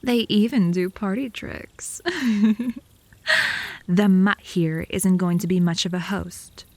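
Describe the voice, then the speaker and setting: A woman's voice: on the low side, takes it slowly, a little mellow, no room sound. A woman playing a possessive, lovesick, bratty vampire in a comedic ASMR roleplay, haughty and theatrical, by turns flirty and threatening. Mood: flirty, coaxing.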